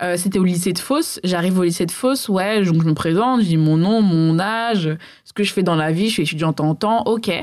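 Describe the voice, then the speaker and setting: The speaker moves at a fairly quick pace with ordinary pitch variation. The background is quiet. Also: woman, medium pitch for a woman. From Paris suburbs, Seine-Saint-Denis and Val d'Oise. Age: 20s. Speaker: association co-founder and city councillor. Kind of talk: interview. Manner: hesitant with many fillers.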